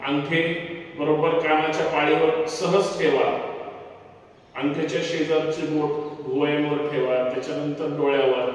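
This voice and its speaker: A man leading a yoga class through breathing exercises, giving calm step-by-step cues that drop almost to a whisper between rounds. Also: fairly high pitch. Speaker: yoga instructor. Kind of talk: guided breathing instruction. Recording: echoey hall recording from far off with faint noise.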